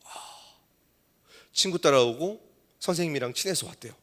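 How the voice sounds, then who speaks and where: A middle-aged male pastor preaching a sermon, telling a story and swinging between hushed asides and loud exclamations. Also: on the high side, animated, normal speed.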